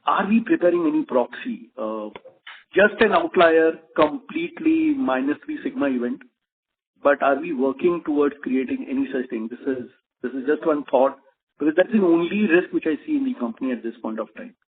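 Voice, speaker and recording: A man's voice: on the high side, sing-song, normal speed. A man asking a question as an investor, hesitant and polite, circling around his point. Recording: noisy tinny phone line with clicks.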